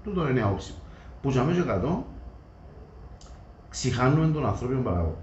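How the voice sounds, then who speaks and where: A man with a Greek Cypriot accent chats informally and makes his points in everyday colloquial speech. His voice sits at a middling pitch. The recording is echoey and a bit muffled, with faint noise. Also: very animated, darkish tone. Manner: colloquial, acts out imagined customer dialogue. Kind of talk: animated casual discussion.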